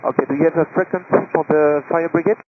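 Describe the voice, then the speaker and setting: A man's voice: fairly high pitch, fairly even intonation, fast talker. A man working as a cargo pilot, talking to the tower over an aircraft radio. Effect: aircraft radio transmission. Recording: noisy, phone-like cockpit radio.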